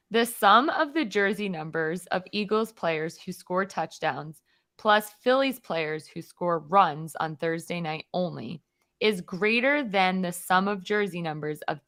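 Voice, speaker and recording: A woman's voice: lowish voice, sharp tone. A woman on a casual sports podcast, reading out game prompts and calling the bids. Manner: reads game prompts aloud, auctioneer calls.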